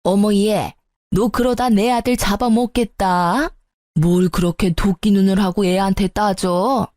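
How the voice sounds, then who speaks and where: A woman's voice: medium pitch, steady tone, unhurried, darkish tone, no room sound, clean studio sound, natural voice. A woman voicing a bossy older mother-in-law in a story radio drama, haughty and scolding.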